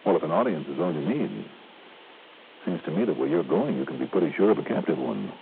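An actor playing a wry, easygoing investigator in an old radio drama, with an American accent. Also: male voice, extremely low pitch, sing-song, a little fast, vocal fry, a little hiss or hum, full character voice. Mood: pointed, calm. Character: wry, easygoing male investigator narrating his cases. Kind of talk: 1960s radio drama acting. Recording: tinny old radio, music behind.

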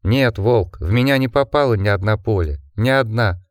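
A man's voice: fairly low pitch, normal speed, dry recording, clean studio sound, lightly acted. A man voicing a twelve-year-old boy, pleading and raising his voice in grief.

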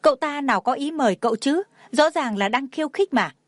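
A woman's voice: high-pitched, expressive, brisk, no echo, pitched above the performer's own voice. A woman voicing an indignant young female college friend who talks in an urgent, pushy way.

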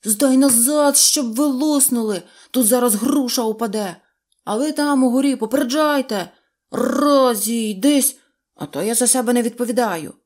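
A woman voicing a boastful, bossy little boy who shouts orders and brags. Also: medium pitch, brisk, hardly any pauses, close to an everyday voice. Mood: bossy shouting. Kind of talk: audiobook character voice.

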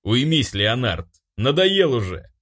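A man's voice: mid-range voice, very animated, slow, fairly bright tone, pitched above the performer's own voice, heavily acted. A man playing a pompous solemn angel. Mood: irritated. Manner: solemn, grandiose, then snapping. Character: stern, pompous male angel.

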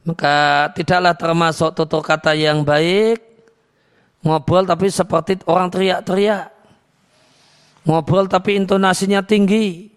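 Guy teaching a religious lesson, kinda high voice, calm and repetitive, recites arabic bits. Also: a little slow, smooth. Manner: calm, repetitive, explaining with many restarts; recites Arabic verses then translates. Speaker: Islamic teacher. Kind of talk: religious lecture on hadith.

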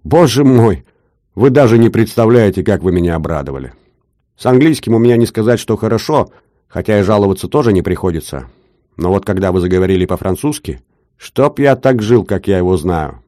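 A man's voice: on the low side, lively intonation, brisk, dark tone, no room sound, clean studio sound, lightly acted. A man voicing a shrewd older jeweler with an Odessa accent, talking in a wheedling, sing-song bargaining patter. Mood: effusive. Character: shrewd older male jeweler, haggling, fussy.

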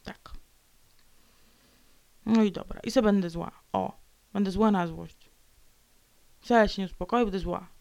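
Gravelly grumbling woman vlogger. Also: mid-range voice, unhurried, pauses often, a little mellow, no echo. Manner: sulky ranting, dips into whispered mutters; playful growls and repetitions. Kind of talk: grumbling solo monologue.

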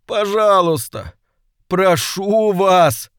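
A man putting on a shrill, whining little demon. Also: lively intonation, very slow, fairly bright tone, clear, resonant tone, dry recording, studio quality, full character voice. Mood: pleading. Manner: pleading, strained and high. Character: whining desperate minor male demon. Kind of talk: audiobook character voice.

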